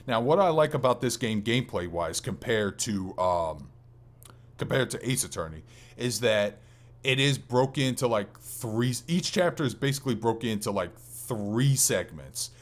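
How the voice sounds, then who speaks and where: A man's voice: mid-range voice, animated, normal speed. A man co-hosting a casual gaming podcast, speaking in an informal, rambling, enthusiastic way. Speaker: podcast co-host.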